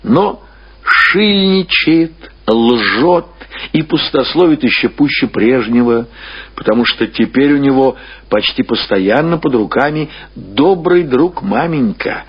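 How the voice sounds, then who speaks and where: A man narrates literary prose for radio with highly animated intonation. His medium-pitched voice is a little rough rather than crisp, and he draws out phrases in a deliberate storyteller's way. The recording is somewhat muffled and lo-fi. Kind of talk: scripted literary narration, audiobook or radio reading.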